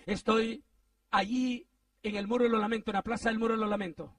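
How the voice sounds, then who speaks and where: A man preaching, telling a story in a sermon, animated and rising to shouts at the peaks. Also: fairly quick, recorded from a distance. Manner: animated, swings from low asides to shouted climaxes.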